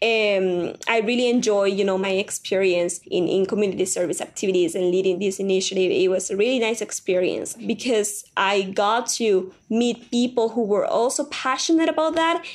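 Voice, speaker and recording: With a Spanish accent, a woman speaks at a moderate pace with hardly any pauses. Her medium pitch carries lively intonation at very even loudness. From Paraguay. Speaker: student and social entrepreneur. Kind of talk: interview.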